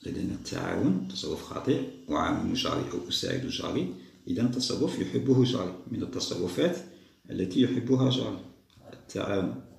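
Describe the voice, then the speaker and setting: Gravelly low-voiced man teaching young kids. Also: big pitch swings, darkish tone, reverberant. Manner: slow, patient, repeats each answer. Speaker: teacher solving a school test. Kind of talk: step-by-step lesson for young children.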